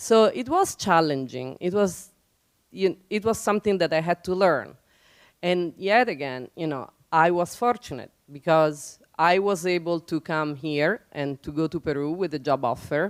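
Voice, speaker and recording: An Italian accent with lively intonation at a moderate pace. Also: woman, fairly low pitch for a woman. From Italy. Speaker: nonprofit office director. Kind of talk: public talk. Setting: forum with live audience.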